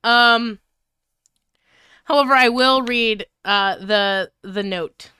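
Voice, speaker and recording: Bright, lively woman streamer, clear and high. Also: slow pace, no room sound, clean studio sound. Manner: giggly, flustered, breaking up while reading. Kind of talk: live fanfiction reading with casual chat.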